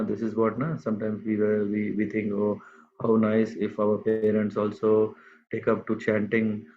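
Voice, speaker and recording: Man, scripture class leader, lowish voice, halting delivery full of fillers, phone-quality audio. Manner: unhurried, halting with many fillers. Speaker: class speaker. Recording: tinny phone-like line.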